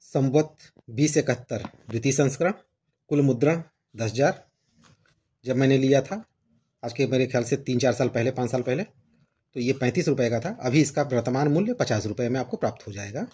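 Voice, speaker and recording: A man's voice: mid-range voice, animated, moderate pace, warm tone, husky. A man hosting his own channel, explaining a devotional book in a casual, conversational way and reading passages aloud. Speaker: channel host reviewing books. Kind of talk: casual book review talk.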